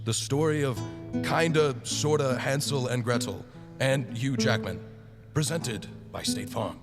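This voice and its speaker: A man's voice: medium pitch, unhurried, creaky. A man reading a scripted sign-off as a radio play announcer. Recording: long reverb under loud guitar music. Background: loud plucked guitar music.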